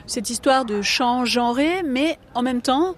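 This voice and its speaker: Woman interviewer with a fairly high voice, halting, lots of "euh" fillers. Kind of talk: interview questions.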